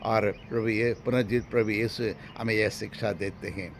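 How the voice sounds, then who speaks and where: A man's voice: lowish voice, fairly even intonation, normal speed, slight background noise. A man, a Catholic priest, preaching an Easter sermon with a rising and falling cadence and repeated phrases.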